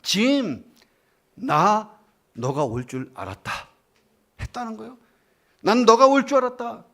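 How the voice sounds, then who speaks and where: A dying young soldier speaks earnestly and pleads with his commander, as a male preacher plays him. The voice is gravelly, rises fairly high and moves a lot. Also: big pitch swings, normal speed, fairly bright tone, full character voice.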